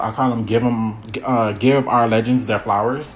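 Medium in pitch, a man's voice competes with noticeable background noise. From Milwaukee, Wisconsin. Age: 20s. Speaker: podcast host and music blogger. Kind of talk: solo podcast monologue.

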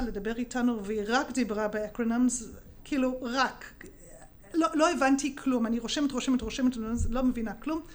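Speaking at a moderate pace, a woman with a South African accent has a high pitch and fairly even intonation. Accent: South African English accent in Hebrew. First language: English (speaking Hebrew). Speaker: company CEO. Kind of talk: interview.

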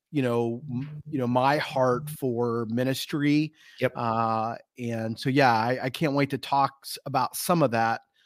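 Heard as a dry, close sound with no echo, an ordinary speaking voice moves at a fairly slow pace with fairly even intonation. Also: man, medium pitch for a man. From Western Pennsylvania. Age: 50s. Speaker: nonprofit CEO. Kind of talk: casual interview.

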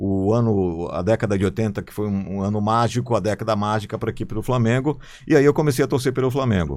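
Words come out at a very fast pace, with ordinary pitch variation. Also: man, fairly low pitch for a man. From Brazil, Bahia interior (Uauá). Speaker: sports radio commentator. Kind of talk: casual interview chat. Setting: studio.

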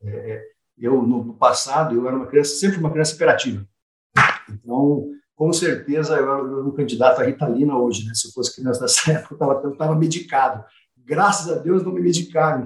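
Fairly quick, somewhat breathy speech from a man, fairly high in pitch, with ordinary pitch variation. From Curitiba, southern Brazil. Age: 50s. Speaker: pediatrician and health executive. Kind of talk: casual interview. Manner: halting, many fillers.

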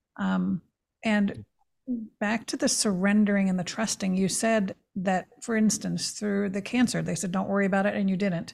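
This is a normal speaking voice with an American accent, at a moderate pace. The intonation is fairly even, and the recording is very clean with a silent background. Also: woman, medium pitch for a woman.

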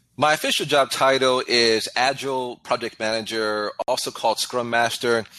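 With an American accent and a normal speaking voice, a man talks at a moderate pace and medium pitch, using fairly even intonation and hardly any pauses. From Texas, Wichita Falls. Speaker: tech project manager. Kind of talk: interview.

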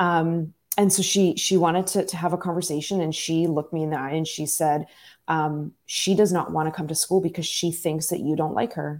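In a normal speaking voice, a woman with a Canadian accent speaks at a fairly quick pace and a fairly low pitch. The recording is very clean, with a silent background. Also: fairly even intonation. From Ontario, Canada. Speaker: primary school teacher. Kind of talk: interview. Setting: live video stream.

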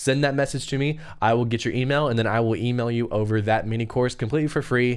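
Rushing at a very fast pace with hardly any pauses, a man speaks in an animated tone at a medium pitch. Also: very clean recording, silent background. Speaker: podcast host and wedding business coach. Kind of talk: solo podcast monologue.

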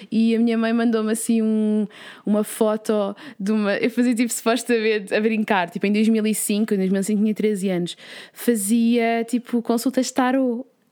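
A woman speaks at a fairly high pitch with a dark, mellow tone and very even loudness. Her intonation is monotone and flat, at a moderate pace. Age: 20s. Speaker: nurse and midwifery student. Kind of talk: casual chat.

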